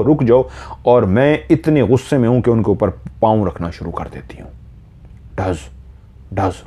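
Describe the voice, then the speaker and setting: Warm low-voiced storyteller man. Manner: earnest, drawn-out storytelling with repeated phrases. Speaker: horror story narrator. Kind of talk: retelling a listener's dream in first person.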